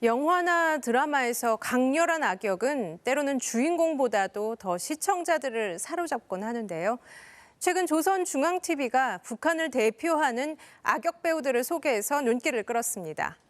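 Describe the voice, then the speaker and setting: A woman presents a news magazine in a very high voice. Her delivery is scripted, as a presenter introducing reports. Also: lively intonation, normal speed.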